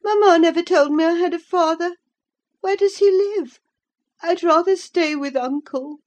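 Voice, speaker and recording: Frail young boy for a storybook, high childish pitch, plaintive and questioning, woman doing it. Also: moderate pace, darkish tone, lo-fi sound. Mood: perplexed.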